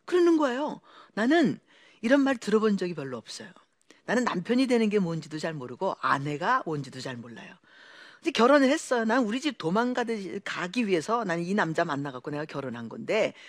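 A Korean-born woman giving an emotional personal testimony to an audience, telling her story in an animated way and acting out the voices of the people in it. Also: mid-range voice, slightly rough, dry recording.

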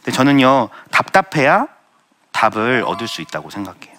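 Earnest young man giving a bright testimony. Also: fairly low pitch, sing-song, brisk. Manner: earnest, self-deprecating storytelling with light laughs. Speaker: Christian speaker sharing testimony. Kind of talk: testimony talk with audience Q and A.

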